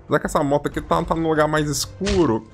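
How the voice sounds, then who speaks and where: A man with a Brazilian Portuguese accent giving casual gameplay commentary, chatty and excitable, repeating words in quick bursts. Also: a little high. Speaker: gaming channel host. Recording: voice over game music and gunfire.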